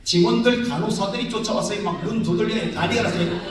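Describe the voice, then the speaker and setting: A middle-aged male pastor preaching a revival sermon with a strong, carrying voice, telling stories in an animated way and acting out the voices of the people in them. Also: sits high, quick pace, a little hiss or hum. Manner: animated storytelling, acts out voices, sudden shouts. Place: large church hall. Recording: very echoey hall, voice from far off.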